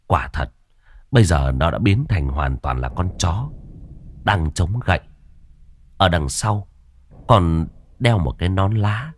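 A man narrating a horror story in an expressive, suspenseful way. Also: low-pitched, takes it slowly, pauses often, no room sound.

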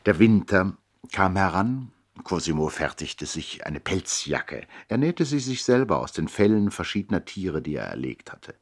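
A man acting as narrator in a literary radio play, reflecting in a measured, articulate way on his brother's life. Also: sits low, exaggerated voice. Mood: reflective. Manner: measured, articulate, expressive storyteller.

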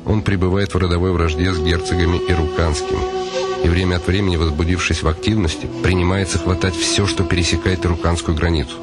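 A weary nobleman, played by a man, muses in a low, dryly ironic voice, thinking aloud to himself. Loud music plays under his radio-play monologue. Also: fairly even intonation, quick pace, lightly acted. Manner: brooding, dryly ironic musing.

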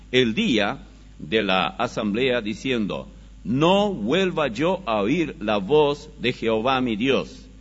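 A man preaching a Bible study, reading scripture slowly and with emphasis, recorded on dull, lo-fi audio. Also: mid-range voice, breathy edge. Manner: slow, emphatic scripture reading with animated rises.

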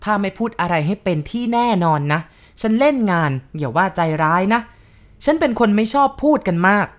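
A woman voicing a lecherous, harsh old man who threatens and shouts in slow, drawn-out words. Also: medium pitch, animated, pitched above the performer's own voice, natural voice. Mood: menacing.

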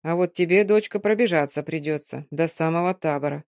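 A reader voicing an old gypsy man who shouts with fervour and speaks in a folksy way. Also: mid-range voice, a little fast, dry recording, clean studio sound, voice pushed down, natural voice. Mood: folksy, coaxing.

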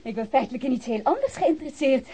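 An actress playing a tough, sardonic vice squad policewoman with a husky voice in a radio crime drama. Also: high voice, expressive, quick pace, mellow, a little hiss or hum. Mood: businesslike. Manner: sardonic, unyielding.

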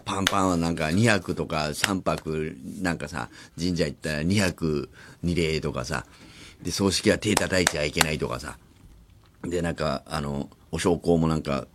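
A radio host in his forties chats casually at a studio mic, wandering from thought to thought. His low voice swings up and down a lot as he acts out little scenes. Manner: rambling, animated storytelling with acted-out asides. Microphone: studio microphone.

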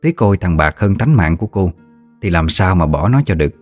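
Very deep male storyteller, somber ghost-story narration over faint music. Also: lively intonation, a little fast, darkish tone.

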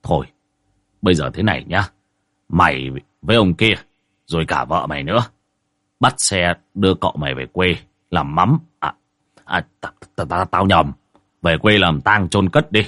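A gruff, blunt older boat owner, voiced by a male storyteller. His low, husky voice gives orders in short bursts. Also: moderate pace, fairly bright tone, dry recording. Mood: commanding. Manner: blunt, commanding.

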